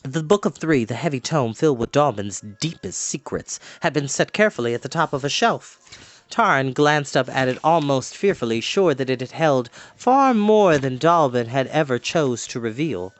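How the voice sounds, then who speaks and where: Expressive male storyteller, lively pitch. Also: moderate pace, dry recording.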